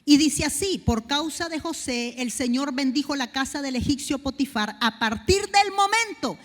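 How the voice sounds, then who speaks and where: A woman pastor preaching a sermon, building to loud, fervent declarations. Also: high voice, expressive, normal speed. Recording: long hall reverb.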